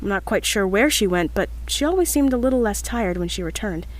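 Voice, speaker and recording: A woman's voice: mid-range voice, expressive, a little fast, lightly acted, rough recording. Determined young female scientist played by an actress, earnest and reflective, mid-range voice, confessional audio-drama monologue. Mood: somber, reflective. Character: earnest, determined young woman scientist logging news of her crew.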